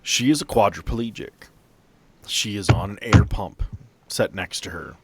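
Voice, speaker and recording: A man's voice: fairly low pitch, unhurried, heavy background noise. A man narrating an improvised tabletop roleplaying game as game master, with a casual, joking way of talking.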